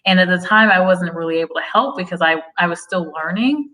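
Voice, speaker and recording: Bright-voiced chatty woman livestreaming. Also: fairly low pitch, a little fast, far from the mic, poor audio. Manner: chatty, goes off on tangents, laughs often. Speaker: host of a career-advice livestream. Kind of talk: casual livestream chat, reading viewer comments.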